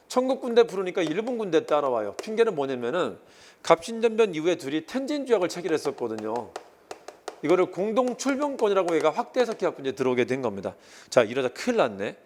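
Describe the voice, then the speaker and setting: A man giving an exam-prep history lecture in a casual, animated way, briefly acting out quoted lines as he goes. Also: fairly high pitch, a little hiss or hum.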